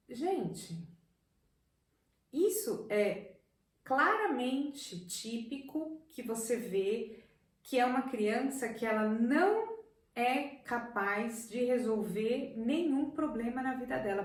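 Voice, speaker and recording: A woman teacher telling a classroom story to viewers, animated and talking to them directly. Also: medium pitch. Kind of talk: educational video talk. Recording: echoey room, voice from a distance.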